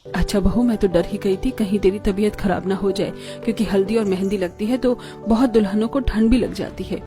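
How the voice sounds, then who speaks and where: A woman voicing a kind, caring middle-aged mother-in-law in an animated story, speaking in a calm, motherly tone. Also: mid-range voice, fairly quick, over music, lightly acted.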